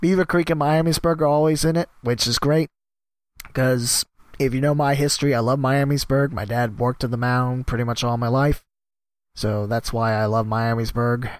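Rambling through his own casual podcast monologue, this host and sports announcer skips between subjects and jokes about himself, his voice worn by a cough. He speaks at a normal pace in a steady, mid-range voice with no echo.

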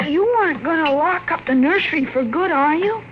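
A woman's voice: very high voice, expressive, fairly quick, dull audio. A woman playing a sullen, spoiled young boy with a whiny, petulant manner in a 1950s radio drama. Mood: sulky, pleading. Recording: noisy old 1950s radio recording.

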